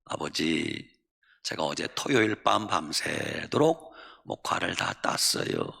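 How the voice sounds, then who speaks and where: A man voicing a meek, devout young daughter who answers her father softly and politely. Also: extremely low pitch, lively intonation, takes it slowly, creaky, husky, pitched below the performer's own voice, exaggerated voice. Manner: soft, quiet and polite. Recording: echoey church hall.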